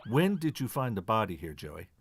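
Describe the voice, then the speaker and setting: A man acting a methodical police inspector in an audio mystery play, measured and questioning. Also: fairly low pitch, sing-song, very noisy. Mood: probing, calm.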